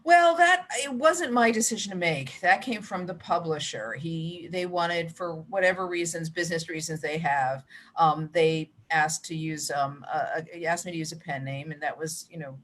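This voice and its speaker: Chatty American woman, slightly low voice. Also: normal speed, a bit bright. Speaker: mystery author, guest. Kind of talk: casual interview chat about writing.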